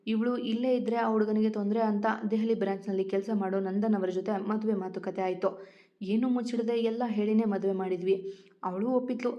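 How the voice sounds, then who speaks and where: A woman's voice: medium pitch, highs cut off, natural voice. A woman voicing a grieving elderly grandmother, tearful and bitter, in a storybook reading.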